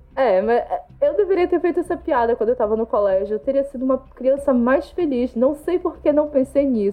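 A high-pitched woman talks at a fairly quick pace with very wide pitch swings. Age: 30s. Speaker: podcast host. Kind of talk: casual chat with narration.

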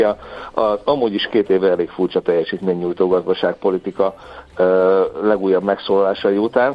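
Noticeable background noise sits behind a man's voice. He speaks at a fairly quick pace in a fairly low pitch. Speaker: financial analyst. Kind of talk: interview, economic analysis. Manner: halting, many fillers and repeats.

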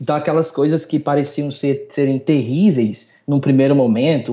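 Pitched fairly high, a man speaks at a moderate rate with ordinary pitch movement in a plain, everyday voice. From Brazil, Northeast (Ceará). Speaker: pastor and Greek professor. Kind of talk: interview on biblical studies.

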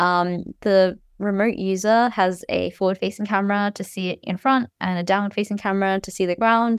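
A woman speaks in an Australian accent with monotone, flat intonation. The recording is very clean, with a silent background and a dry, close sound free of echo. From far north Queensland, Australia. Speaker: robotics engineer and entrepreneur. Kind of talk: interview. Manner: many filler words and repetitions.

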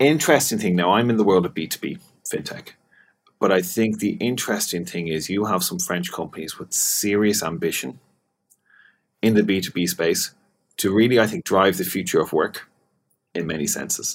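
With an Irish accent, a man talks at a moderate pace and a fairly low pitch, his intonation lively and his pauses long and frequent. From Ireland. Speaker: head of sales at a fintech company. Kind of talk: panel discussion.

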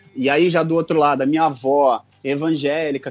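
Music plays behind a man with a fairly high pitch, speaking at a moderate pace. His intonation stays fairly even, and the sound is dry and close with no echo. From Rio de Janeiro, Brazil. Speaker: fandub producer and singer. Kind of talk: casual chat.

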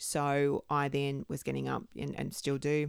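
With an Australian accent, a woman talks in a very deep, low pitch on a very clean recording with a silent background. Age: 40s. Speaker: podcast co-host. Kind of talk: casual chat.

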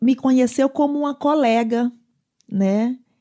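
A woman talks at a very slow pace in a dark, mellow tone. The background is quiet. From Brazil, Maranhão (Caxias). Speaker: sex worker activist. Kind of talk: interview.

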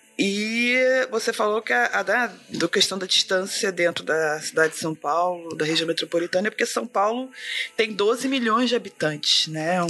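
Against music in the background, a woman with medium pitch speaks with lively intonation. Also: moderate pace. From Rio de Janeiro, Baixada Fluminense. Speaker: podcast host. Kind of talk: scripted narration; casual chat.

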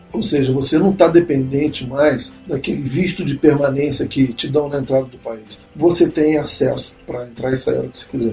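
A man talks at a moderate pace in a fairly high pitch, with hardly any pauses and big swings in loudness. Music plays in the background. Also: ordinary pitch variation. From Brazil (Petrópolis, Rio de Janeiro state). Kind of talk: casual interview chat.

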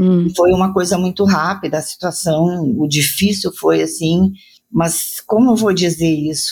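A woman speaks in a somewhat breathy voice at a fairly low pitch. Her pace is fairly slow, with ordinary pitch variation. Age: 60s. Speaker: widow sharing her faith story. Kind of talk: interview testimony.

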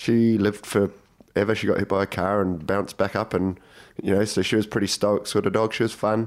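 Fairly low male voice with a New Zealand accent, fairly quick and monotone, flat in intonation, at very even loudness, on a very clean recording over a silent background. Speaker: dog trainer. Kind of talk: casual interview chat. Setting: room at home, studio-style.

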